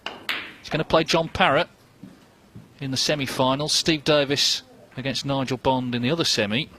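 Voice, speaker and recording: A man's voice: medium pitch, steady tone, normal speed, pushed and bright. A man giving live snooker commentary as a match commentator. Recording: crowd ambience and noise behind. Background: snooker arena crowd and ambience.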